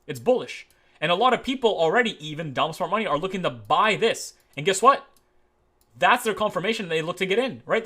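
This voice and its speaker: A man teaching trading as he walks through charts on his screen, tagging his points with "right?" and moving between quick and slow stretches. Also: high voice, bright, forceful tone. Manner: repeats "right?" as a tag, talks through live charts; uneven pace, speeds up and slows down. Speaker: trading educator. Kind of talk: screen-share chart walkthrough.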